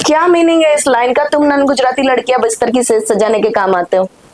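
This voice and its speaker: An animated tone comes through at a moderate pace with ordinary pitch variation over noticeable background noise. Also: woman. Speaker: former corporate manager, podcast guest. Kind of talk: interview conversation. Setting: live podcast. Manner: loud.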